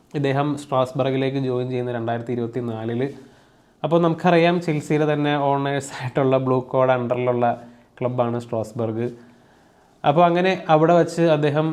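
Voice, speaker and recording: This man has an unremarkable speaking voice. His medium pitch shows ordinary variation. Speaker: football video commentator. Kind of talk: solo commentary video.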